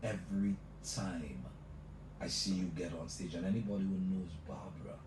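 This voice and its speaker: This radio host has a low voice with fairly even intonation and talks at normal speed. He effusively builds up his guest on air, leaning on the phrase "let me tell you," in a noisy, echoing room with the mic placed far from him.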